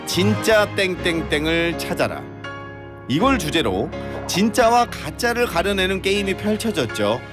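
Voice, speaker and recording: A man's voice: high voice, very animated, unhurried, over music. A man hosting a radio phone-in quiz in a playful, exclamatory, teasing way. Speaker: radio quiz show host.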